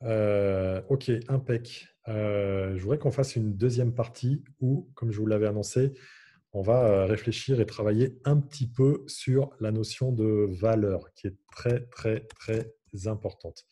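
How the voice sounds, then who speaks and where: A man's voice: on the low side, measured pace, warm tone. A man leading an online coaching workshop over a video call, in an encouraging, instructive way.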